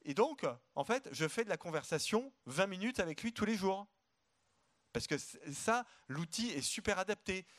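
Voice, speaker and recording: A man's voice: high voice, lively intonation, moderate pace, a bit bright. A man speaking as an economist guest in a live stage interview at a conference, outspoken and emphatic, often repeating words as he starts a thought. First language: French.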